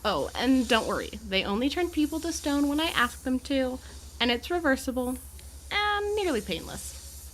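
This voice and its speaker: A woman's voice: high voice, big pitch swings, normal speed, a bit bright, a little hiss or hum, low-quality recording. A woman playing an amiable, poised Gorgon educator in an audio drama, with articulate, genteel and reassuring phrasing. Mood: wry, playful.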